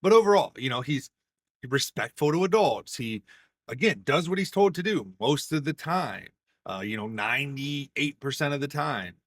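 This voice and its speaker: A man's voice: mid-range voice, animated, moderate pace, no echo, clean studio sound. A man, a single father, talking casually to his viewers, with many "you know" fillers. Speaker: single dad vlogger. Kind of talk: casual talk to camera.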